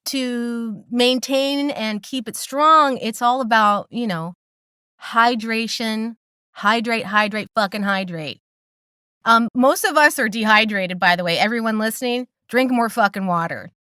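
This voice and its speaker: Woman guest, deep and a little raspy, loose and candid, dry booth sound. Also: a little slow, sharp tone, no echo. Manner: laughs often, candid, swears casually. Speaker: guest, voice actor and singer. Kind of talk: casual podcast chat.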